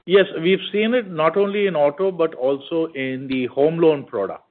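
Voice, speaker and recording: Indian-accented male executive on a phone line. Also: fairly high pitch. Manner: measured corporate speech with frequent 'you know'. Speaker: bank executive. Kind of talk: earnings call commentary. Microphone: conference call line. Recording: narrow tinny phone line.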